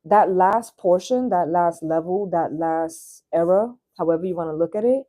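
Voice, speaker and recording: On a livestream, a tarot reader in her thirties keeps things casual and chatty, slipping in slang and some swear words. She speaks at a normal speed in a low voice with a dark tone.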